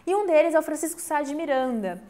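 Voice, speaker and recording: A woman teacher with a high, expressive, warm voice gives an online literature lesson. She explains things step by step and slowly counts syllables aloud. She often checks in with the class by asking "tá?".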